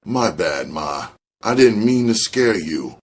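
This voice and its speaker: Man doing a cocky flirty street hustler, slangy, deep husky voice, audiobook. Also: very animated, slow, heavily acted.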